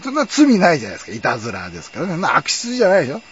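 A man's voice: on the high side, wildly swooping pitch, racing, fairly bright tone, dull audio. A man, hosting a casual, rambling monologue full of fillers. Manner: rambling, nostalgic storytelling with many fillers. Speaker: podcast host.

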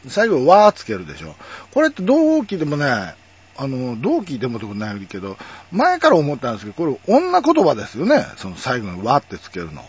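Husky, lively-voiced man musing. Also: medium pitch, fairly quick. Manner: chatty, musing, lots of fillers. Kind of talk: casual spoken monologue. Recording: dull lo-fi audio.

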